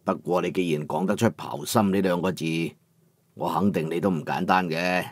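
A man voicing a calm elderly master craftsman in a Cantonese audiobook, speaking in a flat, unhurried, placid way with a Cantonese accent. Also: low voice, no room sound, voice pushed down. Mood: calm, measured. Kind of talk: audiobook character voice.

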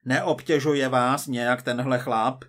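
A man voicing a loud, jovial, blustering male film director. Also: medium pitch, steady tone, lightly acted. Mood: brash.

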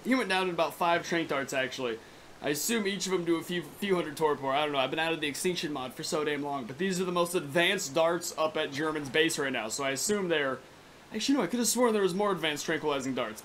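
A young man from California with a raspy, sore throat, giving excitable, foul-mouthed gameplay commentary. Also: fairly high pitch, slight background noise. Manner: excitable, swears freely. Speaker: gaming YouTuber.

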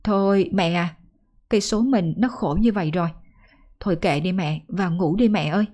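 A woman's voice: fairly low pitch, normal speed, darkish tone, lightly acted. A woman voicing a caring young village daughter who coaxes her mother inside, in a folk ghost story. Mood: soothing. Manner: soothing, coaxing.

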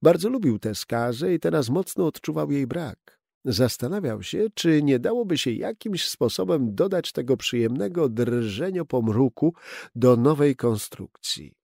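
Brief: male audiobook narrator, warm gravelly voice, dry close studio sound. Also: mid-range voice, measured pace, no echo. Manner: steady, expressive storytelling. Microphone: close studio mic.

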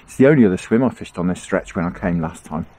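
A man's voice: low-pitched, quick pace. A middle-aged man giving a casual running commentary while fishing outdoors on a riverbank, chatty and chuckling often. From England. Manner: chatty, chuckles often, relaxed self-talk. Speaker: angling vlogger. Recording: outdoor ambience with faint noise.

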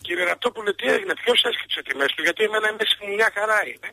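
A man's voice: sits high, vocal fry, bright, forceful tone, dry recording. A male caller on the phone sounding theatrical, solemn and indignant. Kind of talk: comic radio call-in.

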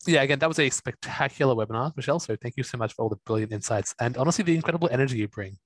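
A man's voice: mid-range voice, rapid-fire, no room sound. A man moderating a webinar, reading out audience questions in an upbeat, effusive way. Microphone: video call.

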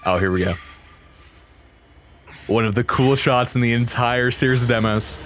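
A young man giving casual, excited reaction commentary, gushing in slangy, lightly sweary speech. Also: mid-range voice, moderate pace, over music. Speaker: video creator reacting to game trailers.

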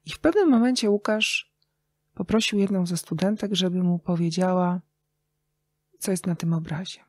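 Middle-aged woman, lower register, conversational storyteller in an interview, recorded dry and close. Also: moderate pace, darkish tone, dry recording. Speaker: interview guest, radio journalist and writer.

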